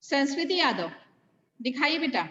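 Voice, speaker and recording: A woman's voice: sits high, sing-song, normal speed, a bit bright, highs cut off. An Indian woman teacher running an online class, patiently correcting pupils and calling them by name. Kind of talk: online class checking homework. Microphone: video call.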